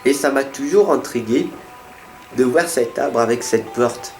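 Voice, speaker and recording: A man reading cards for weekly tarot guidance speaks at a measured pace in a mid-range voice with a darkish tone. He addresses the listener directly, earnest and encouraging, from an echoey room where faint music plays.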